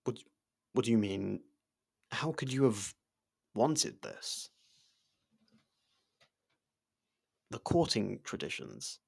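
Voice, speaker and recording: Man acting as a gravelly, low-voiced loyal royal servant. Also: wildly swooping pitch, takes it slowly, a little mellow, heavily acted. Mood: concerned, hesitant. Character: loyal personal servant and dearest friend of royalty, gently teasing. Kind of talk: ASMR roleplay audio drama.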